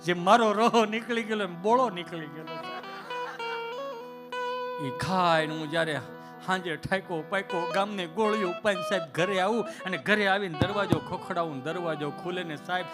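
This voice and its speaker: A man doing animated folk stage comedy, acting out voices and often addressing the audience as "saheb". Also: high voice, normal speed, over music. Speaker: stand-up comedian. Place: live stage show before an audience.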